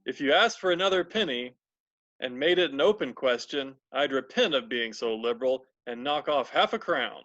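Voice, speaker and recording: A man's voice: mid-range voice, animated, normal speed, a bit bright, dull audio, lightly acted. A man playing a shrewd, grasping old rag-and-bone dealer in an amateur dramatised reading. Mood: haggling, gruff. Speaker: library staff reader in a play.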